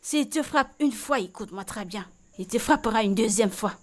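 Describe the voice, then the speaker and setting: This French film dub has a woman playing Vicky, a friend tending to a woman who has been beaten. The character is caring but blunt, insisting on things over and over, and the voice is on the high side and expressive, at a moderate pace.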